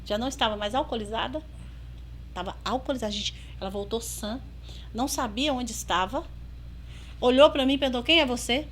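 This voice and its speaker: Animated Brazilian woman telling a story. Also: fairly high pitch, brisk, pauses often, a little hiss or hum. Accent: Brazilian Portuguese. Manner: animated storyteller, acting out quoted dialogue. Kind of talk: casual podcast storytelling.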